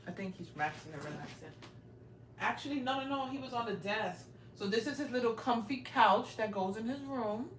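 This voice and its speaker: A woman's voice: medium pitch, pushed and bright. A woman in her forties, raised in Brooklyn, hosting a casual live-stream tour of her home and chatting straight to her viewers on a handheld phone. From raised in Brooklyn, New York. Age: 40s. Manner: chatty, keeps addressing viewers directly. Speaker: livestream host. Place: indoor home, small rooms. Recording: roomy home audio, faint noise.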